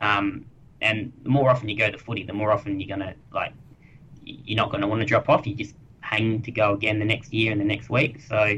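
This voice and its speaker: A man with an Australian accent talks at a fairly quick pace. His fairly low voice has a bright, sharp tone and fairly even intonation. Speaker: football club membership staffer. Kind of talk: casual interview.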